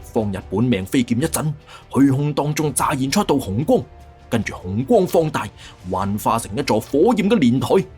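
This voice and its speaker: A man's voice: medium pitch, very animated, moderate pace, darkish tone, soft background music. A man with a Cantonese accent narrating a fantasy novel in a dramatic, scripted audiobook style.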